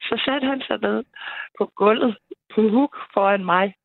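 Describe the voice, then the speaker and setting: Woman caller, gravelly, chatty storyteller who laughs often, tinny phone line, dry sound. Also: mid-range voice, no room sound. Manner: lively, chatty, laughs between sentences. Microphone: telephone.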